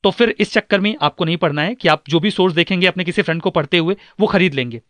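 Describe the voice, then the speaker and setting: A man's voice: sits high, quick pace, fairly bright tone, no echo. A man coaching civil service exam aspirants in an earnest, instructive way, mixing in English terms. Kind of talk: scripted advice talk.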